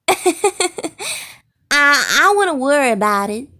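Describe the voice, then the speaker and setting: A woman's voice: high-pitched, sing-song, drawn-out words, pushed and bright, heavily acted. A woman voicing a perky, folksy animatronic chicken in an exaggerated, overacted cartoon fandub style. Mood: nervous. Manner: exaggerated, gushing, folksy delivery.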